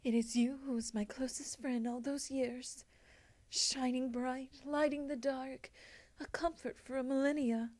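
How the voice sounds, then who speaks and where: A woman voicing a wistful, regal winged pony princess in a storybook, speaking formally, softly and solemnly. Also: high-pitched, steady tone, unhurried, voice pushed up. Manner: formal, soft-spoken, solemn. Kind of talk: storybook character acting.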